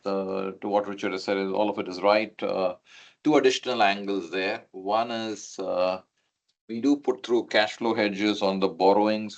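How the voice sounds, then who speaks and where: A man speaking as a finance executive on an earnings call, methodically setting out his points. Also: sits low. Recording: dull, muffled call audio.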